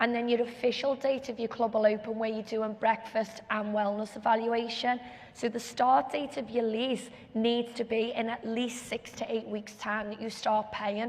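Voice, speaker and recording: At a moderate pace, a woman with a British accent speaks in a fairly high pitch with monotone, flat intonation. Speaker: business coach on panel. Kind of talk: panel talk to audience.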